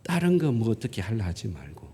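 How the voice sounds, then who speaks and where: A man's voice: lowish voice, fairly quick, slight background noise. An older man with a Gyeongsang accent preaching a sermon as a pastor, telling stories and acting out conversations in dialect. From South Korea. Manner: lively storytelling, acting out dialogue in dialect. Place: church sanctuary. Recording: long church hall reverb.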